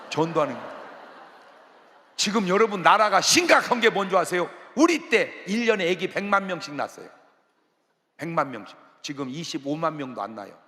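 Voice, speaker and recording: A male pastor preaches with a lively, swinging delivery and a bright, ringing tone. His voice fills a large church sanctuary, trailing a long reverb. He keeps the sermon funny and acts out the people he quotes. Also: fairly high pitch. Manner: humorous, animated storytelling with acted-out quotes.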